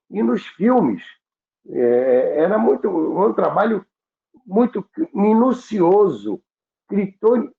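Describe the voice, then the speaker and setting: Brazilian man, slowish didactic explainer, halting and repetitive, echoey narrow-band line. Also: fairly high pitch, creaky. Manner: didactic, halting, repeats and rephrases points. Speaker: radio history commentator and guest. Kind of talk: unscripted explanatory talk recalling broadcasting history. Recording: echoey, narrow phone-like call sound.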